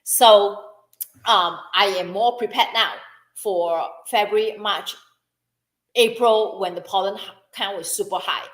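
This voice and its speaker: A woman's voice: mid-range voice, a little slow. A middle-aged woman telling a personal story in a chatty way, repeating herself and acting out what others said, as a business coach drawing a lesson from it. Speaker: business coach and podcast host. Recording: echoey room.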